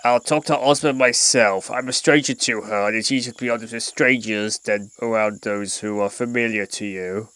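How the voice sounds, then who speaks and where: A man's voice: lowish voice, fairly even intonation, normal speed, hardly any pauses, fairly bright tone, clean tone, no room sound, close to an everyday voice. A man playing a level-headed, encouraging flying hero with a matter-of-fact manner in an amateur audio drama. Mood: firm.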